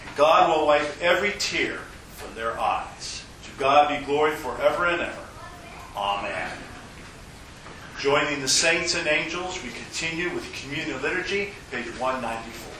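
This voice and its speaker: A pastor reading names of the departed and the communion liturgy in a slow, solemn way, with a cathedral echo. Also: male voice, a little high, expressive, pushed and bright, a little hiss or hum. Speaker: pastor leading worship. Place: large church sanctuary. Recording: distant mic in a cavernous echoing church, organ music.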